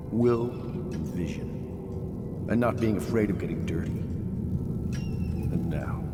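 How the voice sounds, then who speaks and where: A proud, fallen admiral broods over his ruin in a low, dramatic voice. His delivery is grave and theatrical, as in a story-driven video game, rising and falling with bitterness. It rings with long reverb. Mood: proud, embittered. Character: proud, bitter, guilt-ridden naval admiral and fallen conspirator.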